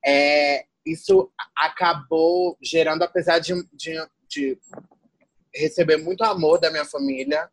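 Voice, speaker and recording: A young adult woman from Salvador, Bahia, a tired guest artist talking in an animated, slangy way full of restarts. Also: deep voice, unhurried, no echo. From Salvador, Bahia, Brazil. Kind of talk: casual conversation.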